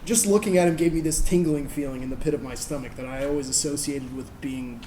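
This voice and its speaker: A man's voice: on the high side, quick pace, dark tone, natural voice, low-quality recording. A man acting in a staged reading as a gay military brat recalling youth in a wry, conversational, comic way. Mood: wistful. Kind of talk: animated storytelling monologue to an audience. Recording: stage recording with faint noise.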